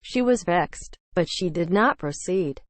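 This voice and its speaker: Female audiobook narrator for classic literature: lower register, expressive scripted read, close dry sound. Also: a little slow, no room sound.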